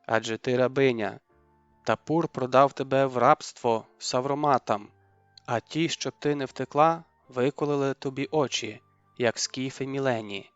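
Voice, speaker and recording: A man's voice: mid-range voice, normal speed, smooth, no room sound, lo-fi sound, soft background music, lightly acted. A man voicing a cruel taunting dolphin.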